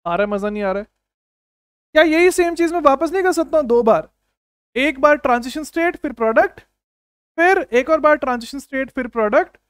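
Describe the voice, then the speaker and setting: A man with a high, bright-pitched voice runs an energetic exam-coaching chemistry lecture. He keeps firing rhetorical questions at his students and repeats short commands. The sound is dry and close, with no room around it. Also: fairly quick, no echo. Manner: repeats short commands like "don't write, understand". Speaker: chemistry teacher.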